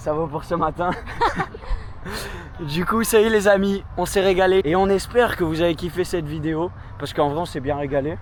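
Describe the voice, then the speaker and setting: A man's high voice with ordinary pitch variation and long, frequent pauses, over noticeable background noise. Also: moderate pace. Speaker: travel vlogger. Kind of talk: casual vlog chat. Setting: outdoors at water park. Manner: animated.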